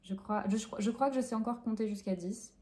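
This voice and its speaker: A woman's voice: on the high side, brisk, warm tone. A young Frenchwoman who teaches French, answering interview questions in a hesitant way with many fillers and self-corrections. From France.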